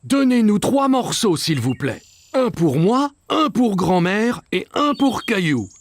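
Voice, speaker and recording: A man's voice: high-pitched, sing-song, slow, exaggerated voice. A man voicing a kind, playful grandfather in a cartoon, patient and teasing. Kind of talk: cartoon dubbing.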